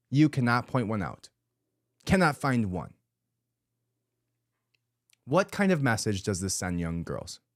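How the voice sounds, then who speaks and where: A man's voice: medium pitch, dry recording, studio quality. Indignant man repeating points hard. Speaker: podcast host. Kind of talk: emphatic commentary monologue.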